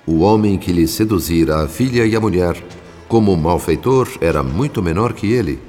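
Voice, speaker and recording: A Brazilian man delivers scripted, dramatic narration for a radio soap opera. His voice is deep and carries a long reverb. Music plays underneath. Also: expressive, moderate pace, darkish tone.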